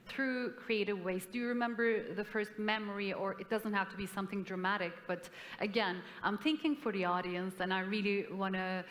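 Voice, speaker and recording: A woman moderates a panel with effusive encouragement. Her mid-pitched voice rings through a large hall with a long reverb. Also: moderate pace, fairly bright tone. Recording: hall reverb, stage mic.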